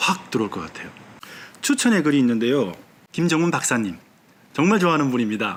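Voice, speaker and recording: A man speaks with a Gyeongsang accent. His pitch is fairly high. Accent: Gyeongsang accent, trouble with some sounds. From Gyeongsang region, South Korea. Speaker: book reviewer. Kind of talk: book review vlog.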